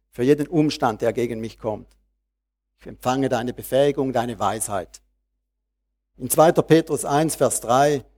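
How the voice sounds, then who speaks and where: A man delivering a sermon at an even, middle pitch. He slows down to read scripture aloud with care, then shifts to a freer, conversational address aimed straight at his listeners. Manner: reads scripture slowly, then talks freely to the congregation. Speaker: preacher.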